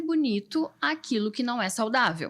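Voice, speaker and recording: This woman's voice is high in pitch. Her intonation is lively. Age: 30s. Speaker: lash designer and beauty educator. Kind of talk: podcast interview.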